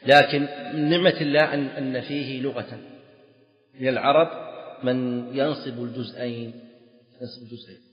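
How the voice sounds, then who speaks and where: Male sheikh, lecture delivery, repeats points and clears throat; roomy, dull lo-fi capture. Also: medium pitch, steady tone, brisk, long pauses, soft background music. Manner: quizzes students, repeats key phrases, clears throat often. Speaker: sheikh teaching Islamic jurisprudence. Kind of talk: classroom lecture explaining a text. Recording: echoey hall, dull lo-fi sound.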